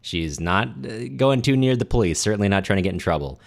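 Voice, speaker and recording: A man's voice: on the low side, animated, fast. A man hosting a podcast, talking through literature in a casual, conversational way. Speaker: podcast host.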